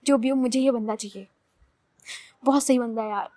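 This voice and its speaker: A woman's voice: fairly high pitch, steady tone, normal speed, mellow, no room sound, natural voice. A woman voicing a hot-tempered, possessive young woman who talks bluntly and impatiently.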